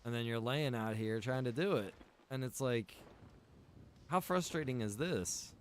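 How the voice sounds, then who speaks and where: A man's voice: mid-range voice, a little slow, a little hiss or hum. A man giving casual, rambling livestream commentary while gaming, repeating phrases for emphasis. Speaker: game streamer and roleplay server co-owner.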